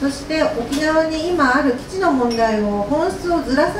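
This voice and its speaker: A woman's high voice moves through very wide pitch swings while noticeable background noise plays behind it. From mainland Japan. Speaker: film director and event host. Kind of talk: moderated talk event discussion. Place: cafe.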